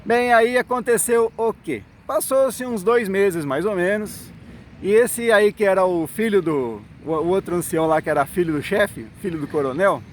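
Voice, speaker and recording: A man's voice: high voice, normal speed, slight background noise. A middle-aged man telling his own story in a monologue. He acts out the quoted dialogue and keeps checking in with "né?" and "certo?". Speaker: former congregation elder telling his story.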